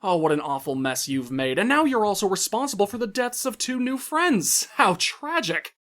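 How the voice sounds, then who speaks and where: A man's voice: sits high, very animated, normal speed, a bit bright. Man playing a smug, menacing loan shark boss. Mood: furious, scornful. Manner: mock-courteous and condescending, erupting into menacing outbursts. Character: menacing male loan shark crime boss, smugly cruel and theatrical. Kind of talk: dramatic audio drama acting.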